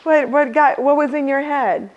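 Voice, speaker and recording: A woman leads a workshop in front of a live audience. She is lively and laughs easily, and she keeps turning questions back to the room. Her motivational talk has a warm, inviting flow. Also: high voice, moderate pace, highs cut off. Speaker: speaker leading a workshop.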